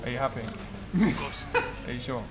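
A man vlogging on a road trip, chatting with friends and shouting excitedly at high speed, recorded on an action camera. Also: normal speed, heavy background noise. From England. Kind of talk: casual travel vlog chat. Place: inside a car and a restaurant. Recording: loud music under the voice.

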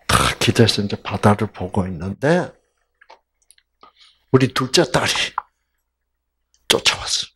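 A man giving a Bible lecture as a lively storyteller, asking the audience questions as he goes. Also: fairly low pitch, slow, long pauses, breathy edge.

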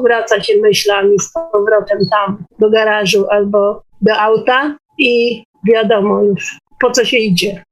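A woman of medium pitch speaks casually on an online call. She tells personal stories in a direct, conversational manner, as a participant talking to the group. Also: low-quality recording. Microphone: online call microphone.

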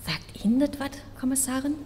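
Mellow-voiced, flippant forensic investigator. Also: female voice, high-pitched, expressive, brisk, a little hiss or hum. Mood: matter-of-fact. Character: flippant, grumbling female crime scene investigator. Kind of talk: audio drama acting. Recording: reverberant hall, music underneath.

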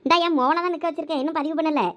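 A woman's voice: high voice, steady tone, very fast, fairly bright tone. A woman with a Thoothukudi Tamil accent in a village comedy skit, bossy and scolding.

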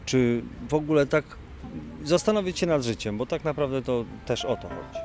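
A man's voice: medium pitch, lively intonation, moderate pace, a little mellow, soft background music. A middle-aged man, a stage performer, chatting enthusiastically in a park interview with stumbling restarts. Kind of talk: casual interview. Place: outdoor park. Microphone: handheld mic. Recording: outdoor ambience.

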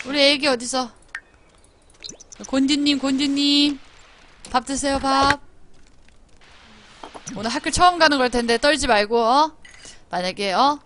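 Woman, game streamer, high-pitched, bright tone, playful chatty commentary, reads story text aloud. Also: unhurried, long pauses, slight background noise. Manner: chatty and playful, scolding her game characters.

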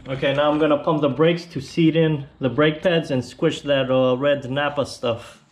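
Man giving a relaxed garage repair how-to. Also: on the high side, normal speed, slight background noise. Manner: relaxed, plainspoken, explains step by step. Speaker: motorcycle channel host. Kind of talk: casual how-to tutorial.

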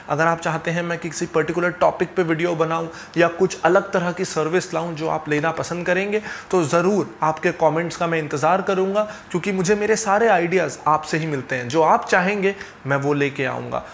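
A man's voice: on the high side, a little fast, creaky, few pauses, slight background noise. A young man hosting a finance channel, explaining steadily and earnestly to camera from a small home office on a lapel mic. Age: young adult. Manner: earnest, steady, gestures with hands while explaining. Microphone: clip-on lapel mic.

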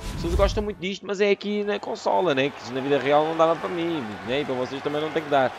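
A man with a European Portuguese accent commentating his own video game fight, excitable, shouting at big hits and throwing in English swear words. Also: fairly high pitch, fast. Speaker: gaming YouTuber. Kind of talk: let's-play commentary. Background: game music and fight sounds.

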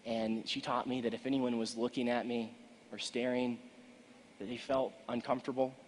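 A man in his twenties giving an earnest, emphatic motivational keynote speech to an audience, with deliberate pauses. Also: medium pitch, flat delivery, slight background noise. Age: 20s. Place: large conference stage indoors, seated. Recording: echoey hall with long reverb.

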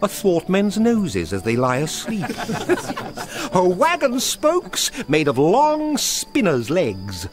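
A man's voice: sits high, wildly swooping pitch, slow, soft background music, full character voice. An actor with a British accent playing a witty, mercurial young nobleman in a Shakespearean radio drama, theatrical and teasing, swinging between gleeful and brooding. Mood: gleeful, fanciful. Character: mercurial, witty young nobleman spinning fantastical bawdy tales.

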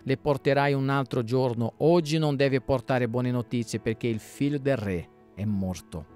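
A man's voice: medium pitch, normal speed, a little mellow, clear, resonant tone, soft background music, lightly acted. A man reading the lines of a stern, blunt army commander.

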